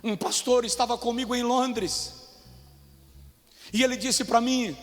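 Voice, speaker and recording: Brazilian pastor guy preaching hard, really high voice for a man, goes quiet then shouts, long echo in the hall, music under it. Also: fairly even intonation, unhurried. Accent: Brazilian Portuguese. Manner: impassioned preaching that swings from hushed to shouted. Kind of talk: sermon with personal stories. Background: soft music.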